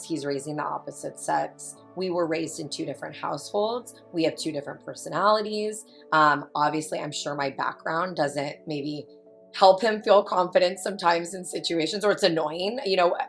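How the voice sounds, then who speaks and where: A woman's voice: sits low, gravelly. A woman in her thirties, a mother and podcast guest, talking candidly in casual chat and acting out quoted lines as she tells stories. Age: 30s. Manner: candid, animated storytelling with quoted asides.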